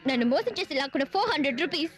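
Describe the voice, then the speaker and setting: A woman's voice: high-pitched, expressive, racing. An actress playing a headstrong young woman who bossily accuses a man of being a fraud. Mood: accusing. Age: young adult. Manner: defiant, accusing, bossy. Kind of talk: Telugu film comedy acting.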